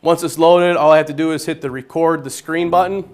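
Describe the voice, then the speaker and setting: Loud-voiced man explaining classroom tech. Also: fairly high pitch, fairly even intonation, brisk. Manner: plain explanatory, step-by-step walkthrough. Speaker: high school geometry teacher. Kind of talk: classroom technology demonstration.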